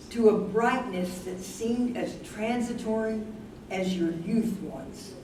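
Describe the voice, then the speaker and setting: A woman's voice: mid-range voice, warm tone, lightly acted. A woman playing a thoughtful, anxious professor wife troubled by her memory in a staged play reading. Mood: tender, reflective. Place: live staged reading in a room. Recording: noisy, echoey room from a distance.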